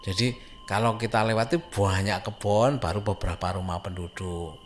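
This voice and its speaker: A man's voice: on the low side, fairly even intonation, moderate pace. East Javanese man telling ghost stories, noisy recording. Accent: East Javanese Indonesian. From Indonesia, a Javanese-speaking village. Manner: conversational, suspenseful, repeats phrases for emphasis. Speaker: horror story narrator. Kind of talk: informal spoken ghost storytelling.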